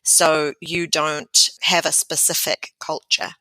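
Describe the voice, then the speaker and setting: A woman's voice: sits low, flat delivery, takes it slowly, sharp tone, no room sound, low-quality recording. A middle-aged woman with a New Zealand accent, a sex therapist speaking frankly and at length as a podcast guest. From born in the Philippines, raised around the world. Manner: frank, thoughtful, explains at length. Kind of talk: podcast interview.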